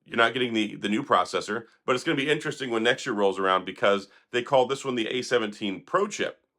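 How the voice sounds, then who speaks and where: A hoarse man, sick for days, hosting an opinionated tech commentary vlog in a sarcastic, critical, rambling manner. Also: medium pitch, fast, sharp tone. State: hoarse, recovering from illness. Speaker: tech video host.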